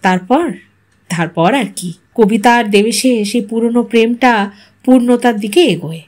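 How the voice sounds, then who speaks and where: A woman reading a scripted story as narrator, in an expressive, reflective way. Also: a little high, unhurried.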